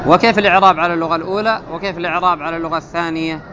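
A man teaching a classical text, reading passages slowly and quizzing his students with questions he then answers. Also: a little high, steady tone, crowd noise. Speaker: grammar teacher. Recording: muffled, noisy with outdoor traffic.

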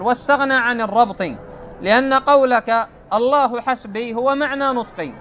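A man's voice: very high-pitched, a bit bright, highs cut off. A man teaching a classical Arabic grammar lesson, explaining step by step and checking often whether his students follow.

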